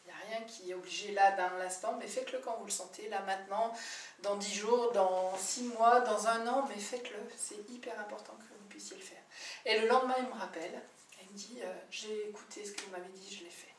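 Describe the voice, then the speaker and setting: A woman therapist telling client stories in a chatty, animated way, with many fillers and restarts. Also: medium pitch, brisk. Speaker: birth-history therapist. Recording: roomy, distant mic with faint background noise.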